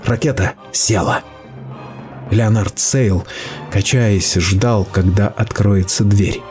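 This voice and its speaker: A man reading a story aloud in steady, measured scripted narration. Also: fairly low pitch. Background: faint music.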